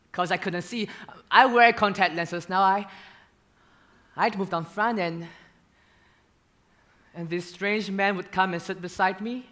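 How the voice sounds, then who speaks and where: A young man acting a stage monologue as a gay male dancer who haltingly confesses his painful past in a theater. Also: high-pitched, sharp tone, full character voice. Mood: hesitant. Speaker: student actor in a stage musical.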